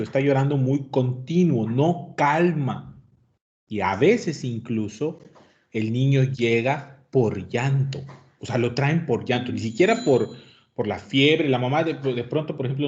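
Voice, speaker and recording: A man's voice: medium pitch, a little mellow, muffled recording. A man giving an interactive medical lecture, quizzing his students and often calling them young people. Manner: questions students, addresses them as "jóvenes".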